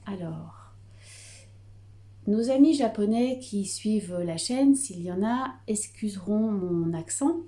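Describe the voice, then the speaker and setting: A middle-aged woman with a Breton French accent explains a Reiki teaching in an unhurried, hesitant way, pausing often on fillers. Her voice is soft and dark-toned, sitting at an ordinary pitch for a woman. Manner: calm, hesitant with frequent fillers. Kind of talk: explanatory video lesson.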